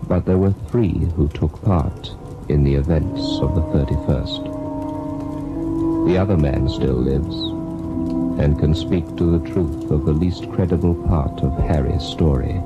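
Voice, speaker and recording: Extremely deep, solemn radio storyteller. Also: male voice, unhurried, loud music behind the voice. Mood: grave, ominous. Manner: solemn, formal. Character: grave male storyteller introducing a ghost tale. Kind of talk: old-time radio scripted narration. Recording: dull old radio recording.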